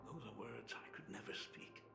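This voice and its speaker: An actor playing a solemn, tender middle-aged father, an artist and academy dean in a video game, with a gravelly, breathy, measured and softly spoken voice. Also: on the low side. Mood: grave, concerned. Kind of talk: dramatic game voice acting. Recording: slightly reverberant, music underneath. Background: background music.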